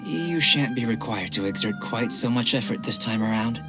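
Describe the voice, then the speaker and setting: An actor playing a calm, curious young male alchemist who speaks in precise, polite scientific phrasing. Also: mid-range voice, normal speed, natural voice. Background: game music.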